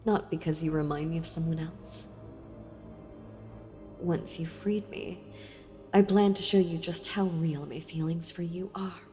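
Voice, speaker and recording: A woman playing a sealed-away female villain in an audio role-play, speaking to the listener tenderly, intimately and with hesitant pauses. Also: deep voice, mellow. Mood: tender, earnest. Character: sealed-away female villain, wistful, softly seductive and enthralled. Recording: long reverb with music behind. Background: music.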